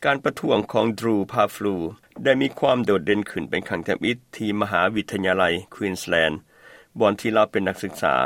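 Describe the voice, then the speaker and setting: A man reading a news voice-over in a steady, formal way. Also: lowish voice, no echo. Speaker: news narrator.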